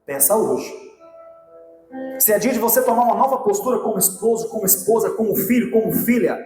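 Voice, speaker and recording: Man, Brazilian Portuguese accent, pastor, impassioned sermon, high voice, echoey church. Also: animated, fairly quick, mellow, faint music behind. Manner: impassioned preaching, direct appeals to the congregation. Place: church sanctuary.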